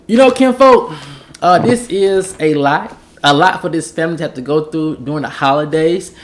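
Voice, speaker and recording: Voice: medium pitch, normal speed, slight background noise. A gossip show host giving opinionated celebrity commentary in a conversational way with emphatic phrasing. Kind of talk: celebrity gossip commentary, part read, part off the cuff.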